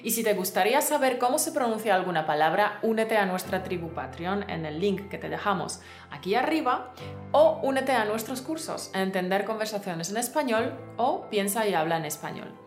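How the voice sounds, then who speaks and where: A woman teaches in a clear, careful, scripted manner, her voice sitting in the middle of the female range. The room adds a noticeable echo, and faint music plays underneath. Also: medium pitch, expressive, brisk. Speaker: Spanish teacher, co-host. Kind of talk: scripted language lesson. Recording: roomy sound with faint music.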